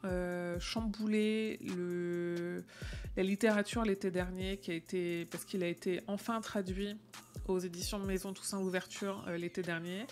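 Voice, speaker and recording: A woman's voice: fairly low pitch, steady tone, unhurried, darkish tone, faint music behind. A woman hosting a casual live stream, chatting with viewers and using plenty of fillers and restarts.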